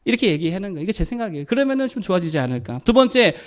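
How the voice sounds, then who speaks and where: Animated, high-voiced Korean pastor preaching. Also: male voice, racing. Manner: lively, conversational, acts out quoted lines for humor. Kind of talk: Sunday sermon. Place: church sanctuary.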